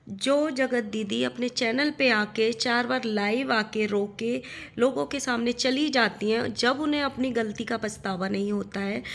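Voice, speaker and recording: A middle-aged woman vlogger rants indignantly at another creator, firing off rhetorical questions and repeating phrases for emphasis. Her voice is a bit high, gravelly, and slightly bright.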